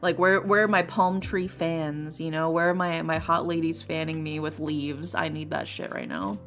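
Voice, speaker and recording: A woman's voice: low voice, moderate pace. A young woman from Texas with a Texan accent, chatting casually and rambling with lots of fillers as a streamer. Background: lofi music.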